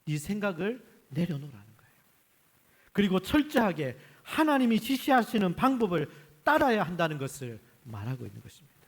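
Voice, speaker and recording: A man's voice: sits high, sing-song, a little fast, big-room sound. A male senior pastor preaching a Sunday sermon in a church, emphatic and full of rhetorical questions to the congregation. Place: church sanctuary.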